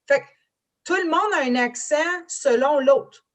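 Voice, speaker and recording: Chatty woman, quick talker. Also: high-pitched. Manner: quick, chatty, mixes in English words. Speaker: panelist, marketing and branding teacher. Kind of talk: casual panel discussion.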